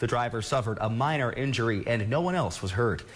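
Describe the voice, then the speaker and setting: A man's somewhat breathy voice has lively intonation and a fairly quick tempo. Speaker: local TV news anchor. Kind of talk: TV news anchor delivery.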